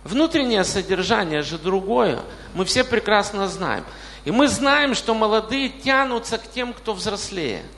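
Male pastor, late 40s, gravelly voice, reverberant hall. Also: high-pitched, big pitch swings, measured pace, a bit bright. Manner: questions the congregation directly. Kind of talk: sermon.

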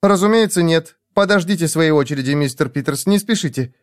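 A man voicing a lonely, high-strung young woman who pleads and frets. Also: a little fast, no room sound, clean studio sound, natural voice.

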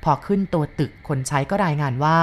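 A woman reading a story aloud in a steady, measured narration. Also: low voice.

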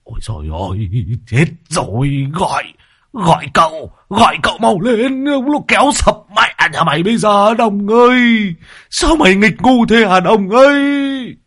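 A man's voice: a little high, very animated, fast, hardly any pauses, bright, forceful tone, husky, no echo, studio quality, pitched above the performer's own voice, heavily acted. A man voicing a hot-tempered village exorcist who curses and barks orders. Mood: frantic yelling. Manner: cursing, barking orders.

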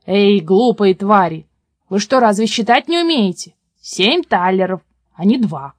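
A stubborn, exasperated peasant man from a storybook, as a woman reads him out. He scolds loudly and stresses every word. The sound is close and dry. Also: a little high, normal speed, no room sound, natural voice. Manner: scolding, loud, emphatic.

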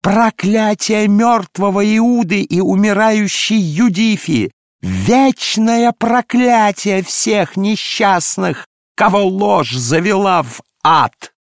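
A man's voice: mid-range voice, warm tone, no echo, clean studio sound, close to an everyday voice. A man reading aloud and voicing a dying young woman who rises into frenzied, wailing curses. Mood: frenzied cursing. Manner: wailing, cursing, drawn-out.

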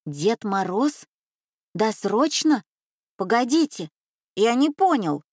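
Lady reading as a fretful little boy, eager and pleading, slow and dry-sounding. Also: on the high side, no room sound, full character voice. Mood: excited. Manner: stammering, pleading, excitable. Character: anxious eager young boy.

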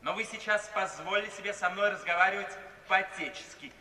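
A flippant young suitor with a high, light voice and ironic, mock-polite banter. The old radio play recording is noisy, distant and ringing like a hall. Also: male voice, fairly quick, pushed and bright. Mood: flippant, defiant. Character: cheeky young gentleman suitor, teasing and flippant. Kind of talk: theatrical radio drama acting.

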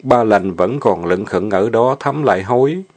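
Male story reader, steady narration, low voice. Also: moderate pace. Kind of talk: dramatic story reading.

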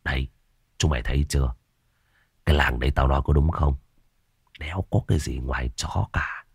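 Gang boss voiced by a man, low hushed drawl, very dry close sound. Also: brisk, gravelly, slightly rough, no room sound, heavily acted. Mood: bossy. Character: gruff lazy gang boss man, bossy.

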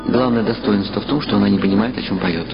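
A man's voice: on the low side, fast talker, close to an everyday voice. A man voicing a cool, detached male mentor who speaks dryly and didactically in an audio drama. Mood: sardonic. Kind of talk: literary audio drama dialogue. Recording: dull lo-fi sound under loud music. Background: loud music.

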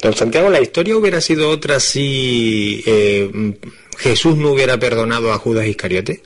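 A man's voice: medium pitch, expressive, moderate pace. A man hosting a radio interview, asking short questions and murmuring agreement.

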